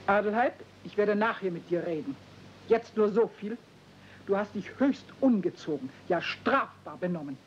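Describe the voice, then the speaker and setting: A woman's voice: mid-range voice, lively intonation, normal speed, close to an everyday voice. An actress playing a stern lady housekeeper in a 1970s radio play, severe, formal and clipped. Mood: severe, reproachful. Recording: dull, faintly noisy old cassette recording.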